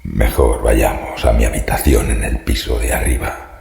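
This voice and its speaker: An actor playing a cryptic, courteous old man with a gravelly, whispery voice and in an audio horror drama. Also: very deep voice, steady tone, a little mellow, exaggerated voice. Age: older. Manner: slow, ominous, courteous. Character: sinister old man, cryptic host of a dark mansion. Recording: echoey room sound.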